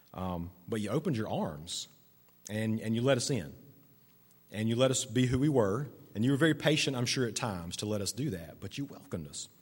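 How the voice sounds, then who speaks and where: The speaker talks at a fairly quick pace in a Southern US accent with lively intonation. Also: man, medium pitch for a man. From US South, Camden, South Carolina. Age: 40s. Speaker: pastor. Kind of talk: sermon. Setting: church, on stage at a microphone.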